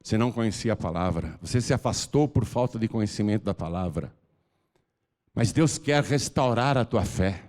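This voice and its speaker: A Brazilian man preaching as a pastor, moving between soft pleading and loud, fervent calls to come forward. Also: fairly low pitch, lively intonation, normal speed. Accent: Brazilian Portuguese. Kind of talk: preaching a sermon with an altar call. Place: large church hall. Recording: reverberant church hall.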